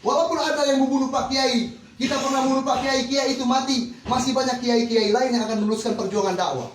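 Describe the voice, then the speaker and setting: High-pitched, fast Muslim preacher man, echoey. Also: fairly even intonation. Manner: exhortatory, repeatedly addressing listeners with rhetorical questions. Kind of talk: religious sermon to an audience. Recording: echoey, distant mic with faint noise.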